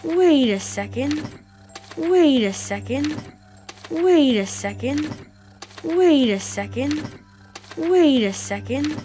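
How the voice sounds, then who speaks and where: A performer with an American accent playing an earnest, imaginative little boy in an animated film. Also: high voice, slow pace, long pauses, slight background noise, exaggerated voice. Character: earnest imaginative seven-year-old cartoon boy.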